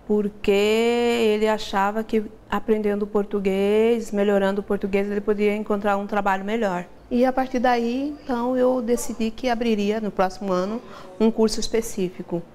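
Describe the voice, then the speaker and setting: A woman's voice: medium pitch, level tone, normal speed, darkish tone. A middle-aged woman teacher speaking in an interview, thoughtful and hesitant, with a lapel mic in a classroom. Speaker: language teacher.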